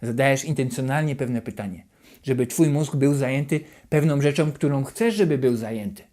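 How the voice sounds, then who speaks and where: A self-help channel host giving a motivational talk to the viewer, animated and repetitive, dropping into a hushed, anxious voice to act out inner thoughts. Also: mid-range voice, normal speed. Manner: repeats and rephrases questions over and over.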